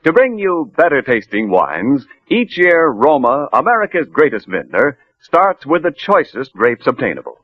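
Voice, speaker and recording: A man announcing a wine commercial in smooth, persuasive 1940s radio style. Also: sing-song, moderate pace, hardly any pauses, no echo. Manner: smooth, persuasive pitchman delivery. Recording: dull, dry old radio broadcast.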